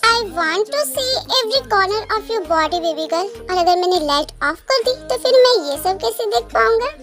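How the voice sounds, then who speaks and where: A cheeky young lover who teases and coaxes in a fan-dubbed romance drama, as a woman puts him on. He sounds very high and light for a man, with music playing underneath. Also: lively intonation, measured pace. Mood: teasing. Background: background music.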